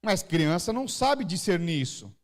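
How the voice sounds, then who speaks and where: A Brazilian pastor, his Portuguese carrying a São Paulo-area accent, preaches during a church service and plays out scenes of wailing babies and parents. His voice sits high, swinging widely in pitch at a moderate pace.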